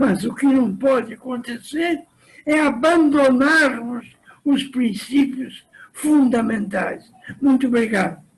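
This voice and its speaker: Speaking very slowly, a man uses an extremely high pitch with ordinary pitch variation. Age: 80s+. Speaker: retired professor, club member. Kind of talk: comment in meeting.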